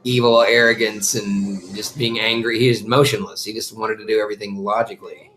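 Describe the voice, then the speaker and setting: A man's voice: lowish voice, little pitch movement, a little fast, a bit bright, rough recording. A middle-aged man hosting a casual live stream while watching a cartoon with his kids, chatting and answering viewer comments. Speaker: channel host watching a show with his kids.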